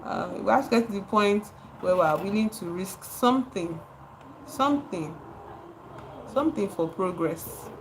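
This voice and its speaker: A woman's voice: mid-range voice, normal speed, noisy background. A Nigerian woman livestreaming, speaking with passion, repeating words for emphasis and greeting her chat viewers. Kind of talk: live stream commentary.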